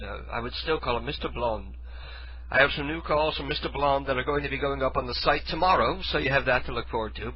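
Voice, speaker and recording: Through a studio mic with headphones, a man with a mid-range voice delivers a casual, rambling monologue on his living-room internet radio show, stuffed up from a cold and self-deprecating throughout. The recording has its highs cut off.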